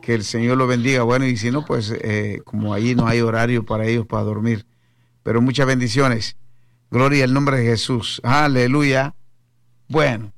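Slow-talking Latin American radio preacher, a man. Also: medium pitch, no echo. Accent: Latin American Spanish. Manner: devout, punctuates talk with hallelujahs and amens. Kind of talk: devotional radio preaching and chat with callers. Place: radio studio. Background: music.

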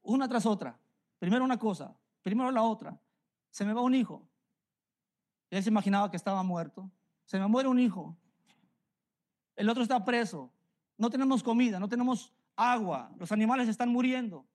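A man's voice: high voice, moderate pace, long pauses, a little mellow, voice pushed up, lightly acted. A man voicing a despairing old patriarch. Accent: Mexican Spanish. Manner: lamenting, pleading questions. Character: old grieving patriarch, bewildered and complaining.

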